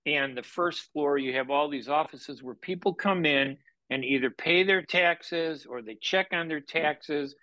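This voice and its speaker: A man hosting a radio interview, leading his guest with questions and setting the scene for listeners. His voice sits a little high for a man, and it sounds dry, with almost no room in it. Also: a little slow, pushed and bright, no room sound, low-quality recording. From USA. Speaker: radio show host.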